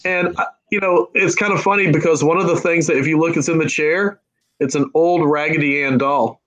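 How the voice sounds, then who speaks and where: A man's voice: a little high, steady tone, fairly quick, fairly bright tone, poor audio. A man talking casually in a panel discussion, explaining things conversationally as an author would about their own story.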